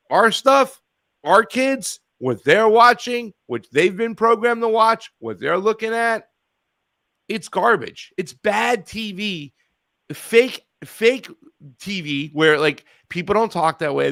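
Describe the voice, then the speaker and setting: A man hosting a call-in talk show, chatting casually, rambling and profane, getting loud and animated when he rants. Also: sits high, measured pace, vocal fry, no room sound, studio quality. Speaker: radio show host.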